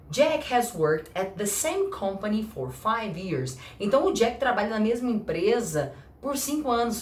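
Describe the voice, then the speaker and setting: Goias lady teacher explaining grammar, chatty, voice jumps around a lot, sounds echoey. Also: mid-range voice. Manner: chatty, lively, acts out little dialogues, slows for example sentences. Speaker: English teacher. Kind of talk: casual explanatory lesson.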